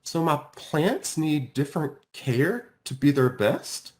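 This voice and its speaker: A kindly male school counselor voiced by a man from a children's storybook. He is patient and reassuring, explaining gently with varied, animated intonation. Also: a little high, slow.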